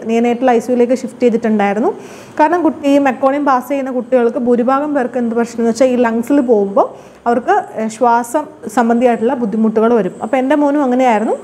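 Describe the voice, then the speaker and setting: A woman with a high voice tells her own story in a relaxed, chatty vlog. She talks quickly and drops English words into her sentences. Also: a little hiss or hum. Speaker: vlogger telling her own birth story. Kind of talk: casual personal storytelling.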